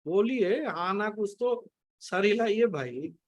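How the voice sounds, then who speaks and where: A man leads a spiritual question-and-answer session in a firm, lecturing way and brushes objections aside. His voice sits high for a man. The sound is close and dry. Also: animated, takes it slowly, no room sound. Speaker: spiritual teacher.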